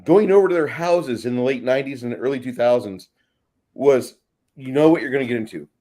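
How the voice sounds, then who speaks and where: A man's voice: mid-range voice, brisk, dark tone. A middle-aged man chatting casually and telling rambling, sweary anecdotes as a co-host of a gaming show. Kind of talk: casual chat.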